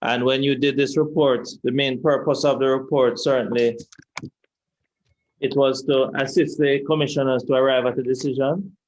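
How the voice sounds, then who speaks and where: Deliberate Jamaican lawyer cross-examining. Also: male voice, medium pitch, fairly even intonation, dull audio. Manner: measured, deliberate, repetitive questioning. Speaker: lawyer questioning a witness. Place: inquiry hearing room.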